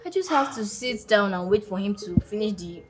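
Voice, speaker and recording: An actress playing a cheerful young daughter with a Nigerian accent who laughs easily. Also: female voice, medium pitch, big pitch swings, brisk, a crowd in the background, lightly acted. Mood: wistful. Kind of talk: Nollywood film acting.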